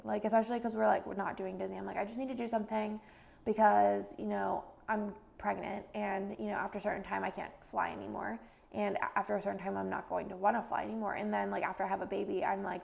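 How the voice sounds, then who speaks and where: A woman's voice: mid-range voice, creaky, a little mellow. A young woman chatting casually in a vlog voice-over, rambling with lots of fillers, a bit stuffy and congested. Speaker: planner vlogger.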